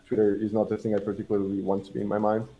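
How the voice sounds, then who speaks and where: A man from Portugal chatting casually as a livestream guest, halting and rambling but blunt in how he talks. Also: fairly low pitch, completely flat delivery, warm tone, dull audio.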